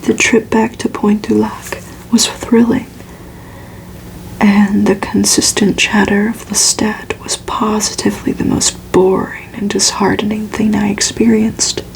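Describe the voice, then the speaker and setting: A woman softly whispering a novel aloud in a breathy, hushed, measured ASMR storytelling style. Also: medium pitch, flat delivery, poor audio. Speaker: ASMR reader. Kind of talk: whispered ASMR audiobook reading of a gothic novel.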